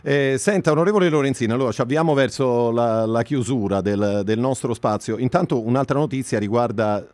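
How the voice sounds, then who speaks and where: A man hosting a radio interview, speaking in a measured way with hesitant fillers. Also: mid-range voice, darkish tone, dry recording. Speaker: radio host.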